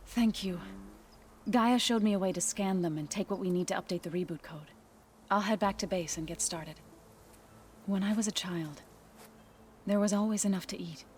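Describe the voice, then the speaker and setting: An actress playing an earnest, gentle, devout young tribal woman in a video game cutscene. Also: mid-range voice, moderate pace, long pauses, a little hiss or hum, natural voice. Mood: wistful.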